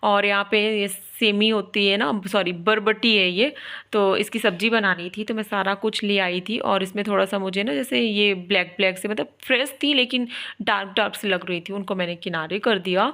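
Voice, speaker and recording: This woman's medium pitch, with ordinary pitch variation, comes through on a very clean recording with a silent background. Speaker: vlogger. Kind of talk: vlog voice-over. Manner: casual, chatty.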